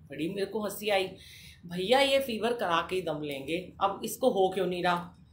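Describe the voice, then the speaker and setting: The voice has an animated tone and ordinary pitch variation, with noticeable background noise and audible room echo. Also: woman, medium pitch for a woman. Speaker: spiritual satsang host. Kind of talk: live satsang talk. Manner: animated, conversational.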